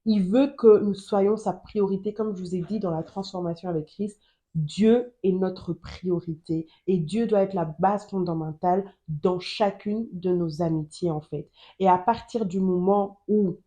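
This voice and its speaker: A woman's voice: medium pitch, warm tone. A woman from Germany hosting a Christian podcast, giving an earnest personal testimony and Bible teaching, often repeating phrases for emphasis.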